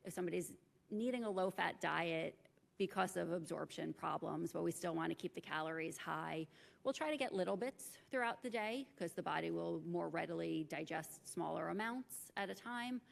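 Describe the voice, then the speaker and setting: Brief: female dietitian, heavy vocal fry, low-ish voice, in a reverberant hall. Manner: practical, explanatory. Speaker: dietitian speaker. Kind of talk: conference talk with audience Q&A. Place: large conference hall. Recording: echoey conference hall.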